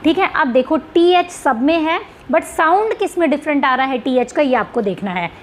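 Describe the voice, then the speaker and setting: In an exam-prep lesson, a woman teacher with a high, animated voice explains English sounds, checking in with students and posing rhetorical questions. She reads the English questions slowly, and there's a slight hiss or hum.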